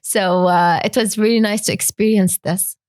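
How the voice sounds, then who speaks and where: Young woman from Syria, interview guest, halting delivery, dry sound. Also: mid-range voice, fairly even intonation, darkish tone, smooth, no room sound. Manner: hesitant, many fillers and restarts. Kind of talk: interview talk.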